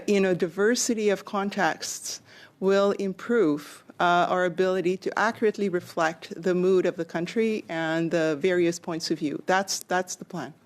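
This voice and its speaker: A woman giving formal, diplomatic and somewhat hesitant answers as an executive witness at a hearing. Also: medium pitch.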